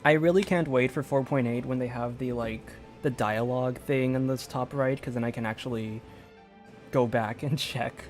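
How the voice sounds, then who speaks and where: A man's voice: mid-range voice, normal speed. Guy streaming a game, mid voice, chatty n rambly, kinda hesitant, bit of music in the back. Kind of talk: casual livestream commentary.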